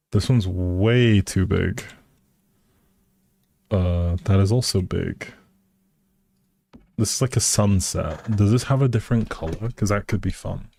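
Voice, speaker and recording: A male live streamer with a low, gravelly, mellow voice chats casually while he plays a building game, thinking aloud over little choices and answering his viewers.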